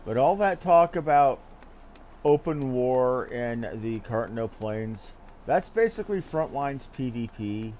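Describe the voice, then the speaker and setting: A man's voice: medium pitch, lively intonation, unhurried, a little mellow. A man giving casual, offhand gameplay commentary with geeky asides as he streams. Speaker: game streamer.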